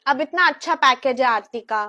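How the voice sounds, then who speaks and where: A woman's voice: sits high, normal speed, pushed and bright. A woman playing a boastful middle-aged mother-in-law who brags and brushes things off. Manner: bragging, dismissive.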